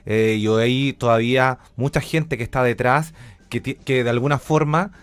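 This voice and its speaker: A man's voice: mid-range voice, fairly even intonation, normal speed, smooth, no room sound. Reflective Chilean man in a radio interview. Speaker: interview guest, journalist and radio theatre director.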